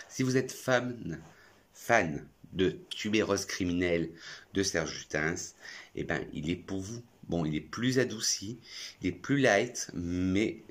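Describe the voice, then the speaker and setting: A French man reviewing perfumes in a chatty, effusive vlog. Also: deep voice. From France. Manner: chatty and effusive, talks to himself. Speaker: perfume youtuber.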